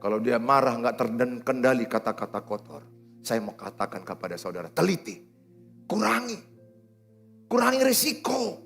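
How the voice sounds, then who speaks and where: A middle-aged man preaching a sermon, swinging between loud exhortations and quiet, low asides. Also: very animated, normal speed, vocal fry, soft background music. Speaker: pastor. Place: church hall with congregation.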